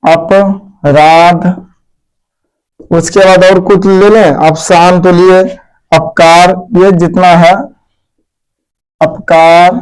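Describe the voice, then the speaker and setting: His voice sits high and sounds clear and resonant, though the audio is poor. This man teaches grammar to pupils at a board, calling them "मेरे प्यारे बच्चों" while repeating key words and quizzing them.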